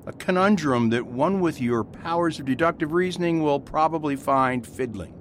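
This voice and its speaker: A man's voice: normal speed, natural voice. A man playing a mild, polite but persistent Catholic priest in a radio play, with formal, courteous speech. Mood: earnest, polite. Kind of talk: amateur radio play acting. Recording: faint background rumble.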